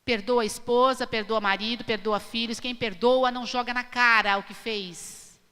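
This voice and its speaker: A Brazilian woman pastor preaches with a high, bright voice, pressing her congregation with questions. Her voice rings in a church hall with a long reverb tail. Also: fairly even intonation, normal speed, clean tone. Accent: Brazilian Portuguese. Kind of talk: sermon.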